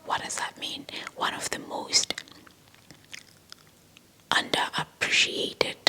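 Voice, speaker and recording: Casting: female ASMR narrator, breathy all-whisper delivery, very sharp and bright, repeats phrases deliberately. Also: low-quality recording. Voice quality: breathy, fully unvoiced whisper. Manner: slow, deliberate, often repeating words and phrases. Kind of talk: whispered ASMR lecture, reading informational text.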